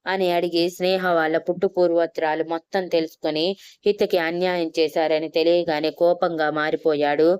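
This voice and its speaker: A woman storyteller reading a scripted love story in a steady, even way. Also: deep voice, fairly quick, clear, resonant tone, dry recording, studio quality. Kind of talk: scripted narration.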